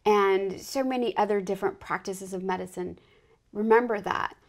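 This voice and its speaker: A woman's voice: mid-range voice, fairly even intonation, normal speed. Earnest woman interview host. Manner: earnest, emphatic agreement. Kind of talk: conversational interview.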